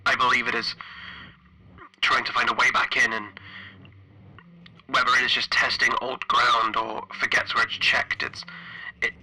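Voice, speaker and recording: A man's voice: mid-range voice, little pitch movement, bright, forceful tone, slight background noise, poor audio. Man acting a tense, haunted spaceship engineer. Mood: nervous, reflective. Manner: halting, stammering, breathy whispered trailing phrases. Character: anxious, isolated male spaceship engineer recording log entries. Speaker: player of a solo tabletop horror game. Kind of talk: in-character audio log, dramatic monologue.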